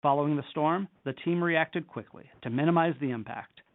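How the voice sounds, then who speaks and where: Male executive, gravelly edge, reading formal prepared remarks over a thin conference-call phone line. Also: a little high, moderate pace. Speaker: company executive on an earnings call. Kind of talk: scripted corporate presentation, read aloud.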